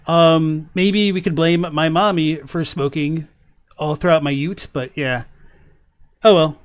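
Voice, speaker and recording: A man with a fairly high, slightly raspy voice hosts a livestream. He talks in a loose, casual podcast style with a joking, self-deprecating manner. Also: steady tone, unhurried. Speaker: livestream host.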